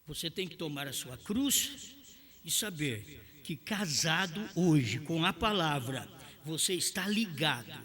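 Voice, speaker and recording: A man with a Brazilian Portuguese accent preaching a sermon, swinging from shouted lines to quiet ones. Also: on the high side, big pitch swings, slow pace.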